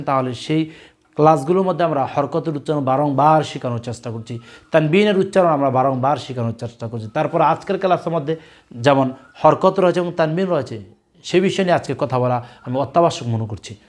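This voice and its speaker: A man with a Bangladeshi Bengali accent and a somewhat high voice teaches a recorded children's Quran reading class. He explains in a measured, formal cadence and drills syllables slowly and loudly, repeating each word.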